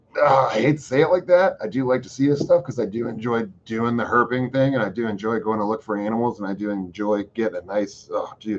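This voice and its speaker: A man with an unremarkable speaking voice talks at a fairly quick pace in a medium pitch. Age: 30s. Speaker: exotic animal keeper and streamer. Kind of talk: casual live stream chat with viewer questions. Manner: casual with frequent fillers.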